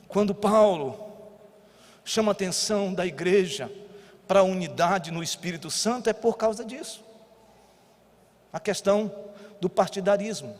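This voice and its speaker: A Brazilian pastor preaching a sermon, moving between quiet teaching and loud exhortation. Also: male voice, sits high, normal speed, long pauses. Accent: Brazilian Portuguese. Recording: long church hall reverb.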